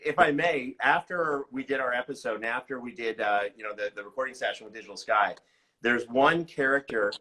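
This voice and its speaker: A man's voice: medium pitch, fairly quick, pushed and bright, low-quality recording. A man hosting a podcast interview in casual chat, enthusiastic and complimentary toward the guest.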